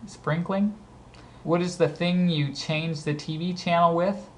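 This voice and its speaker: A man's voice: a little high, steady tone, a little slow. A man with a Southern California accent and a scratchy voice. He reads a list of words aloud and casually explains how he uses each one. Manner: reads each word, then explains usage conversationally.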